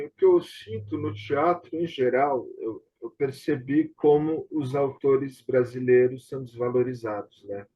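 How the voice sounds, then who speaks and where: Over a remote online video session, a Brazilian host chats casually about theatre and TV, hesitant and frequently seeking confirmation. His mid-range voice is slightly rough, and the recording sounds lo-fi.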